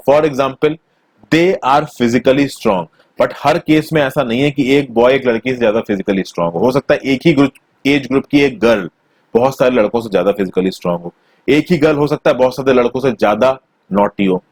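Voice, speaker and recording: A man teaching a school textbook chapter in a conversational way, mixing in English terms, recorded on a close mic in a small quiet room. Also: medium pitch, breathy edge, dry recording. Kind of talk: textbook lesson explanation.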